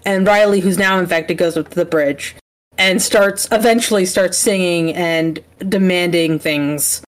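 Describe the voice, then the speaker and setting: A woman co-hosting a casual podcast, recapping a TV episode in a rambling, self-correcting, animated way. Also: fairly low pitch, measured pace. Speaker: podcast co-host.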